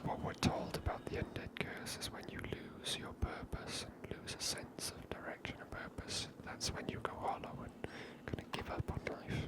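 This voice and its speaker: A woman whispers breathily in a hushed, casual, musing way as she hosts an ASMR video game playthrough. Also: normal speed, few pauses. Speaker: host of a gameplay series. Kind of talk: ASMR gameplay commentary.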